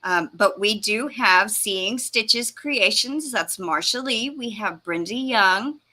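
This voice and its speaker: A woman hosting a casual live-stream chat. She reads out viewer comments, laughs often and fumbles with the streaming software. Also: medium pitch, takes it slowly. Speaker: host.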